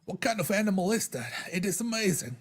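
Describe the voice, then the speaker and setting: A man's voice: sits high, lively intonation, fast, pitched above the performer's own voice. A man voicing a blunt, unrefined adventurer with a big appetite in a tabletop game, terse and plain-spoken. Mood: eager, curious.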